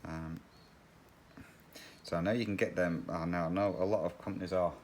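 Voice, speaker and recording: A very deep-voiced man chats while he stitches, in a loose, rambling way. He laughs often and drifts off topic. A faint hiss of noise sits under his voice. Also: fairly even intonation, normal speed, darkish tone. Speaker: cross-stitch channel host. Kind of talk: casual chat while stitching.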